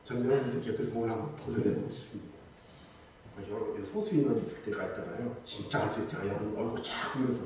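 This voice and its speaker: A man preaching a Sunday sermon in lively storytelling style, acting out the voices of the people in his stories. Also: medium pitch, fast talker, a little hiss or hum. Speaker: pastor. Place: church sanctuary. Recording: echoey church hall, mic from a distance.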